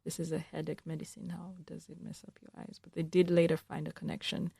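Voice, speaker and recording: A young woman from Uganda, a student guest answering radio interview questions in an earnest, thoughtful way with frequent pauses. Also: low voice, level tone, creaky, warm tone, husky, no echo. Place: radio studio.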